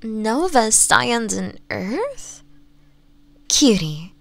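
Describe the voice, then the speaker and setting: A woman voicing a flirtatious, possessive nine-tailed fox woman in an ASMR roleplay, speaking softly and coaxingly and slipping into breathy whispers. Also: a little high, no room sound.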